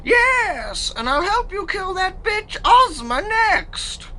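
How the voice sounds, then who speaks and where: Woman acting a very high-pitched wicked princess. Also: sing-song, slow, bright, forceful tone, heavily acted. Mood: gleefully scheming. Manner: taunting, theatrical. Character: wicked, scheming princess villain plotting murder. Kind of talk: audio play acting.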